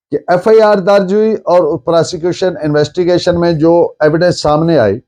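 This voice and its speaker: A man with a Pakistani accent teaches law in a soft, mellow voice that sits slightly high for a man. He explains step by step, asking questions and then answering them. He shifts into careful English for legal phrases. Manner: switches to slow, deliberate English for legal phrases. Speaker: law lecturer. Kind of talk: explanatory law lecture with worked examples.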